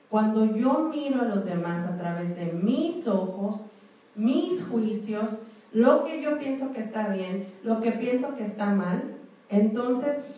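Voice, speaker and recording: A woman's voice: mid-range voice, distant mic. Woman preaching in an echoey hall. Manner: animated, acts out quoted reactions, many rhetorical questions. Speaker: speaker at a church women's gathering. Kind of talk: conversational sermon.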